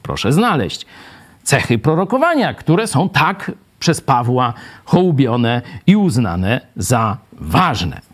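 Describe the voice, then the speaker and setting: A man leading a lively Bible study lecture, ironic and animated, asking the group questions and tagging his points with a quick "right?". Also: mid-range voice. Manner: many fillers and "nie?" tags.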